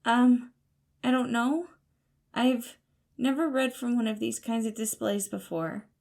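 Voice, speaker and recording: A woman's voice: a little high, a little slow, a little mellow, pitched above the performer's own voice. A woman voicing an earnest, cheerful young man in an audio story, bubbly, apologetic and a little hesitant. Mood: anxious.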